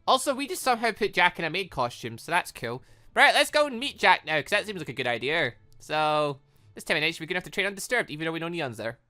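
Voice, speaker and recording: Male gaming host, bright forceful voice, lively swings in pitch, close dry sound with faint music underneath. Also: fast. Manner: excitable, animated, thinking aloud. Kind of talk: let's play commentary, reading game dialogue aloud.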